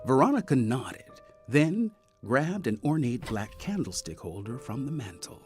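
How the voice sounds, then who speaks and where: A man narrating a scripted audio mystery drama as a polished, deliberate storyteller. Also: mid-range voice, very animated, soft background music. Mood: storytelling.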